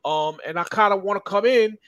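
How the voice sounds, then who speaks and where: A man's voice: high-pitched, brisk, pushed and bright, dry recording, highs cut off. A man, chatting casually and poking fun at himself. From Long Island, New York. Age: 50s. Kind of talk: casual podcast chat.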